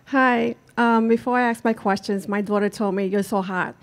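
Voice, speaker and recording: A woman's voice: mid-range voice, fairly even intonation, normal speed. A middle-aged woman in the audience asking a question, giggly and a little nervous.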